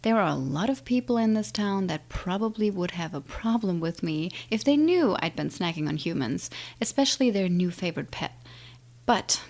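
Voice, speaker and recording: A woman's voice: on the low side, lively intonation, moderate pace, darkish tone. A woman playing an ancient, menacing siren in an audio drama, taunting and condescending with a theatrical drawl. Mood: threatening. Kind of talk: audio drama villain acting.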